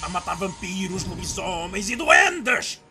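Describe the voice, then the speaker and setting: A theatrical, menacing priest played by a man with a European Portuguese accent, ranting like a zealot in an anime parody. Music plays clearly behind the voice. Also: high-pitched, very animated, measured pace, heavily acted. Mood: irritated ranting. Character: zealous, foul-mouthed, menacing male priest and vampire hunter. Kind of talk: comedic anime parody fan dub. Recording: loud music under amateur dub.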